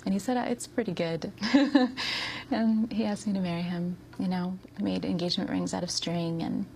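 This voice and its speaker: Soft-spoken gravelly woman. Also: lowish voice, steady tone, moderate pace, slight background noise. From United States. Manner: hesitant, with many ums and soft laughs. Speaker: interview guest. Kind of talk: soft-spoken interview answers.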